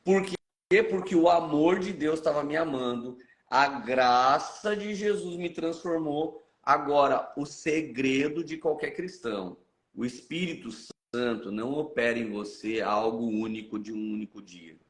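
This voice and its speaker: A man's voice: on the high side, unhurried. A man with a Brazilian Portuguese accent preaching as a guest on a live stream. He mixes Bible teaching with personal testimony and acts out what he once said. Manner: emphatic, storytelling, acts out his past self. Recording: roomy echo.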